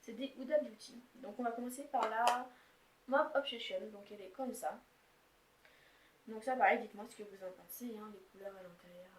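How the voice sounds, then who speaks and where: A young woman with a fairly high voice chats about her makeup palettes, rambling and casual, full of little fillers. She is recorded on a camera's own mic in an echoey room with a faint hiss behind her. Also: moderate pace. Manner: chatty, rambling, filler-heavy. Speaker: beauty vlogger. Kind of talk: casual makeup haul chat. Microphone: camera's built-in mic.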